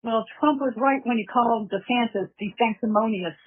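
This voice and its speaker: A woman's voice: on the high side, normal speed, husky. A woman chatting bluntly and matter-of-factly on a prison phone call. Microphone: telephone. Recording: narrow, tinny prison phone line.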